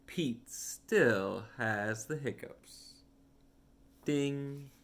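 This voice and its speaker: A man reading a children's picture book aloud as a storyteller, with simple, deliberate phrasing. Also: medium pitch. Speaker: read-along storyteller.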